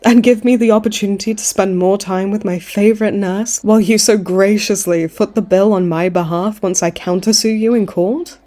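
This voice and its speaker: Smug, mellow-voiced flirty villainess played by a woman. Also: mid-range voice, fairly even intonation, normal speed, few pauses, close to an everyday voice. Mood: teasing. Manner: teasing, mock-sweet, theatrical taunting. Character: smug flirtatious female supervillain in her late twenties, hospitalized. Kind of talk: comedic audio roleplay acting.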